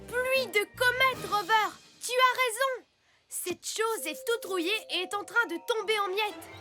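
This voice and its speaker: A woman's voice: very high voice, measured pace, over music. A woman voicing a brave little alien boy hero who commands his robot team earnestly in a French cartoon. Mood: confident, commanding.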